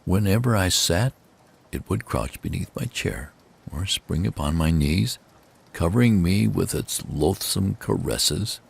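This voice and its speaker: A man reads a gothic horror story as a dramatic narrator, with theatrical, deliberate phrasing and pauses. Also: low voice, lively intonation, gravelly, husky.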